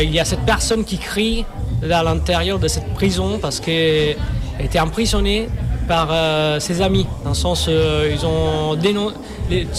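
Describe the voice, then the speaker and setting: Man searching for French words. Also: fairly high pitch. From Sicily. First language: Sicilian. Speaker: musician guest. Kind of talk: radio interview.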